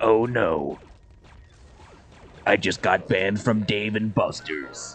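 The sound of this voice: A man's fairly low-pitched put-on character voice at a fairly slow pace.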